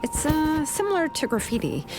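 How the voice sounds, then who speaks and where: A woman's voice: sits high, wildly swooping pitch, moderate pace, music in the background, rough recording. A woman voicing a confident, laid-back young craftswoman in an anime game, speaking in an assured, matter-of-fact way. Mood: explaining.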